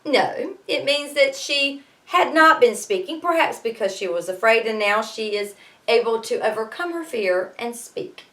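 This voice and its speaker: Animated high-voiced woman teacher reading aloud. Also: a little slow. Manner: expressive, explanatory. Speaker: schoolteacher reading to students. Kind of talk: storybook read-aloud with explanatory asides.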